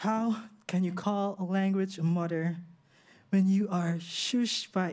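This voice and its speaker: A woman's somewhat breathy voice with a dark, mellow tone and fairly even intonation, over a quiet background. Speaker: spoken word poet. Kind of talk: spoken word poetry performance. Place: hall. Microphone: handheld.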